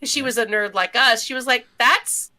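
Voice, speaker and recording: A woman's voice: fairly high pitch, moderate pace, bright, forceful tone. A woman co-hosting a podcast, telling anecdotes in casual conversation. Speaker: podcast co-host.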